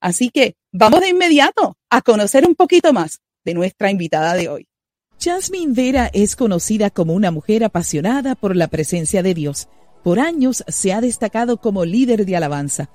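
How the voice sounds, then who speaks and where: A woman's voice: mid-range voice, big pitch swings, moderate pace, a little mellow, no room sound. A woman hosting a Christian music program, reading a scripted guest introduction in an earnest, devotional manner. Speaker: radio host. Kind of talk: scripted introduction then interview.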